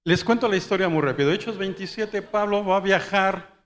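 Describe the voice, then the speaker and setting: Male pastor, higher voice, lively storytelling sermon, long hall reverb. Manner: storytelling, quick and conversational, acting out dialogue. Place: church hall.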